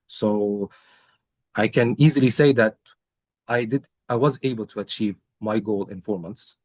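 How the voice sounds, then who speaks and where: Earnest, unhurried man from Egypt. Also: lowish voice, a little mellow, no echo. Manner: earnest, measured, with many pauses and fillers. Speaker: coaching client. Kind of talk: testimonial interview.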